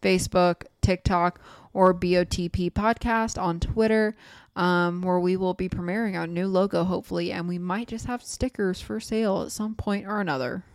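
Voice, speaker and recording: A woman's voice: lowish voice, fairly even intonation, moderate pace, a little mellow, no room sound. A woman co-hosting a podcast, chatting casually late at night in a tired, sleepy voice. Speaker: podcast co-host. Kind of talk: casual chat.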